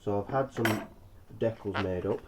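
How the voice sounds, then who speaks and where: A man with a croaky, froggy voice from being under the weather, casually explaining a hands-on DIY job as a vlogger. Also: on the low side, moderate pace, noisy background.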